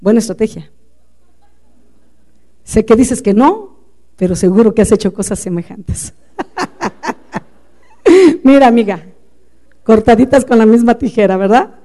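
A woman's voice: on the high side, big pitch swings, measured pace, pauses often, dark tone. A middle-aged woman with a Mexican accent telling a personal story to an audience of women, confiding and playful with asides to the listeners. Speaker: speaker addressing women. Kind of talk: storytelling talk.

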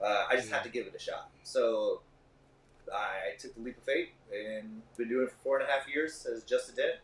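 A man's voice: mid-range voice, normal speed, fairly bright tone, recorded from a distance. A man in his thirties from Michigan, a shop owner guest telling long, rambling stories in a casual podcast chat. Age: 30s. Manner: talkative, rambling storyteller. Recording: roomy, off-mic.

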